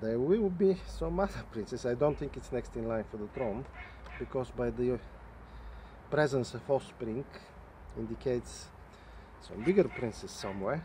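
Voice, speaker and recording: With a non-native accent, a man speaks with long, frequent pauses. Light background noise sits behind him. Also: moderate pace. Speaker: gardening video creator. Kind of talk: casual garden tour tutorial. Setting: outdoors in a garden. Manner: light-hearted, rambling. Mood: light-hearted, relaxed. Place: garden. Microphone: phone near.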